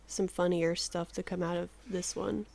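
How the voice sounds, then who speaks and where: A woman's voice: on the low side, fairly even intonation, normal speed, vocal fry, darkish tone. A woman co-hosting a podcast in casual chat, talking loosely with lots of "like", swearing offhand and laughing between thoughts, still in her sleepy morning voice. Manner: chatty, laughs often, fillers like "like", swears casually. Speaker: podcast co-host.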